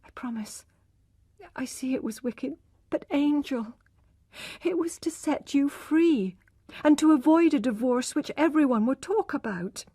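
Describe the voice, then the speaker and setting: A woman voicing an ashamed young wife near tears, speaking in a high, trembling, pleading voice. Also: expressive, a little slow, warm tone, dry recording, clean studio sound. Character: tearful, ashamed young wife, humble and despairing.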